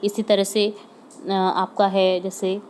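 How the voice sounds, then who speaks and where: A woman's voice: mid-range voice, flat delivery, slow, darkish tone, slight background noise. A woman teacher going through a homework lesson for young pupils, patiently repeating example words and checking in with the class.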